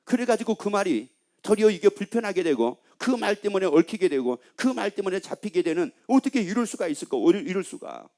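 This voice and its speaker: Male pastor, sermon delivery, quizzes the congregation and teases them; high, animated voice. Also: fairly quick, hardly any pauses. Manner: asks the congregation questions and repeats answers back; teasing, playful asides.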